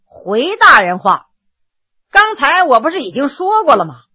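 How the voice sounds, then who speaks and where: A woman's voice: high voice, very animated, a little slow, full character voice. Woman playing a cheeky roguish general. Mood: mocking. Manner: teasing, laughing, loud outbursts. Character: cheeky roguish male general, mocking and brash.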